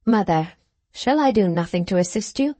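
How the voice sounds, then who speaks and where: A woman voicing an earnest grown son who pleads with his mother in a hushed, careful way. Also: medium pitch, lively intonation, moderate pace, no echo, close to an everyday voice.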